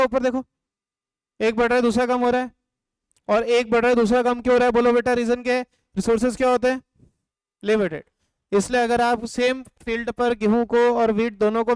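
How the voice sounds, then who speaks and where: A man teaching a live economics class in a notably high, smooth voice. He keeps firing questions at his students and makes them answer back in chorus. The sound is dry and close. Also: dry recording. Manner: drills points with call-and-response. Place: classroom or home studio.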